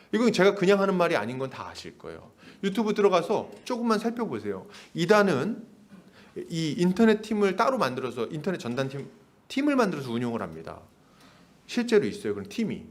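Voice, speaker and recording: A male pastor delivers an expository sermon in a church, talking casually with his congregation. His voice sits fairly high for a man and swings widely up and down as he acts out quoted speakers. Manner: animated, acts out voices of others in the story; casual, conversational preaching with laughter. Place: church sanctuary.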